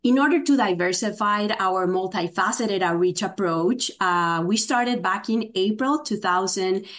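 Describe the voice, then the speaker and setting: A woman with a Spanish accent gives a formal presentation to a commission, speaking in a measured way with frequent "uh" fillers. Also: medium pitch, a bit bright. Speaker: state agency program presenter.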